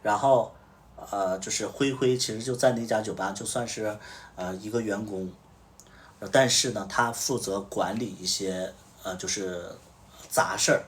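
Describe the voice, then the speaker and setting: Heard from a distance, this livestream host speaks in a lowish, unhurried voice. He tells a casual story, relaying what happened by voicing what each person said.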